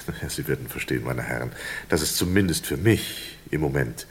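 A man's voice: very deep voice, expressive, fairly quick, a little hiss or hum. An actor playing a sly condemned foreign man who mocks his executioners, teasing with whispers and laughs in a radio play. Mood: mocking. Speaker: condemned prisoner.

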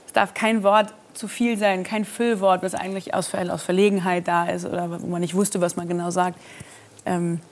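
A woman's voice: lowish voice, level tone, normal speed. A woman in her forties, a singer, talking earnestly and reflectively as a guest on a talk show. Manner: earnest, reflective, searching for words.

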